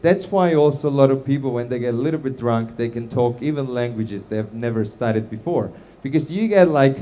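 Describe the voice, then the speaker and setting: A man's voice: mid-range voice, mellow. A man in his thirties from Italy with an Italian accent, giving a casual startup talk full of fillers and restarts. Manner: chatty, self-deprecating, many fillers and restarts.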